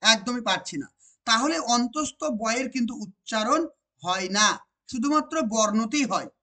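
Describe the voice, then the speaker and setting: A woman with a West Bengal accent teaching an exam-prep grammar lesson. She repeats each point and keeps asking whether it is clear. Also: a little high, animated, sharp tone. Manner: repeats points and asks rhetorical check questions; slows down to stress key phrases.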